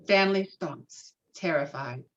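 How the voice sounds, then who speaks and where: A woman reading screenplay stage directions with dramatic, expressive delivery over a video call. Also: low voice, slow pace, highs cut off, crowd noise. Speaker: stage directions reader at a table read.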